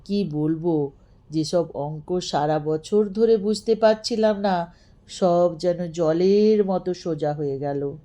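Woman reading a ghost story, slow and mellow, lowish voice, expressive. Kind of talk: expressive scripted story narration.

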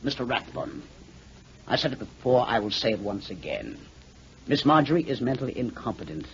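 An actor playing an indignant, defensive, stiffly proper doctor in a 1940s radio drama, speaking formally and emphatically. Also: male voice, mid-range voice, very animated, brisk, creaky. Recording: noisy, dull old 1949 radio recording.

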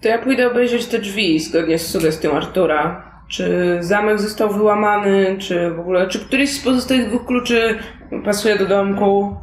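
Man, very high pitch, casual game player, echoey room, slight noise. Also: normal speed. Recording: roomy echo, slight background noise.

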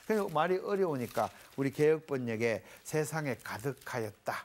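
Middle-aged pastor, lively pitch. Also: male voice, moderate pace. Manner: animated and folksy, explains Hebrew words in homely terms. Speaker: pastor and Bible teacher. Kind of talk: televised Bible lecture with a panel.

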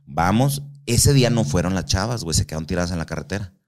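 This guest is a man from Mexico with a low, darkish, expressive voice who talks fast. He spins casual stories in slangy language, swearing often and performing the quoted voices.

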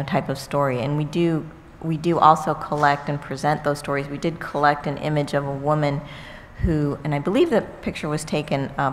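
Low-voiced woman speaking in a hall. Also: slight background noise. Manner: careful, measured, many fillers. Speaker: museum representative on a panel. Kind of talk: panel discussion. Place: auditorium stage before an audience. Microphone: table microphone. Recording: long hall reverb, faint ambience.

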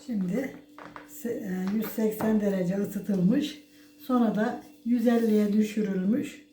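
Older woman, toothless speech, mellow tone, homely recipe presenter in an echoey room. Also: mid-range voice, steady tone, takes it slowly. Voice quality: toothless, soft-edged articulation. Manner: folksy, addresses viewers as friends, speaks in blessings. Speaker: home cook presenting a recipe. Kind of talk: casual homely cooking demonstration. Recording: roomy echo, faint background noise.

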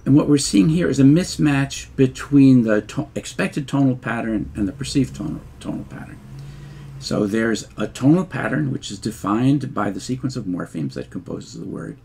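An older man giving a measured lecture over slides, explaining step by step with fillers and restarts. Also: mid-range voice, animated, vocal fry, warm tone, husky. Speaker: linguistics lecturer.

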